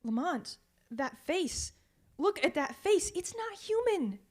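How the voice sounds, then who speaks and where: A woman's voice: extremely high pitch, big pitch swings, slow, exaggerated voice. An actress playing a detective's nervous, loyal lady companion in a radio mystery, earnest and polite. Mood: alarmed. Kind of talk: old-time radio mystery acting.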